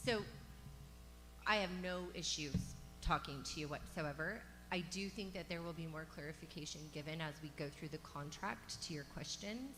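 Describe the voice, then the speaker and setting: Reassuring low-voiced woman board member. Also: normal speed, over music. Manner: reassuring, conciliatory. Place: public meeting room. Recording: echoey hall with background hum.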